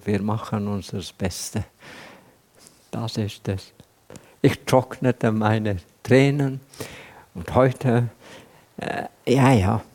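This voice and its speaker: Slow, halting older man preaching. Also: mid-range voice. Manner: slow, halting, repeats words, emotional. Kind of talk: sermon testimony.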